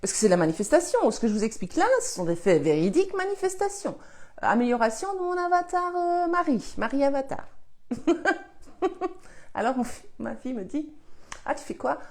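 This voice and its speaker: A woman's voice: high-pitched, sing-song, moderate pace, a little mellow. A woman in her fifties from Belgium with a Belgian French accent, telling rambling anecdotes with frequent laughs while she has a slight cold. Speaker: host answering live questions. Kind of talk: casual storytelling chat.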